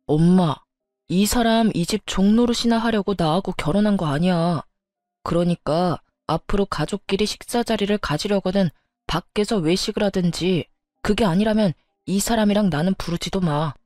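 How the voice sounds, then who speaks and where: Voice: medium pitch, moderate pace, a little mellow, no echo, faint music behind, natural voice. Voiced as a firm young husband. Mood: protesting. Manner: firm, exasperated. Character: young married man standing up for his wife. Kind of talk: dramatized story reading.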